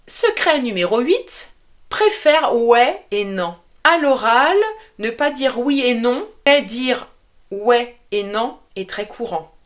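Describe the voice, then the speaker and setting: A woman teacher giving a scripted lesson, explaining and demonstrating with clear, deliberate delivery. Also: a little high, animated. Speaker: French teacher.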